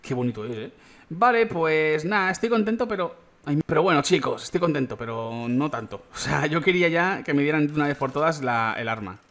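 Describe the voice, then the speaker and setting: A young man from Spain with a Spanish accent, chatting excitedly to his viewers while he plays a shooter game, swearing casually along the way. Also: on the high side, a little fast. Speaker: gaming YouTuber. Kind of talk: gameplay commentary.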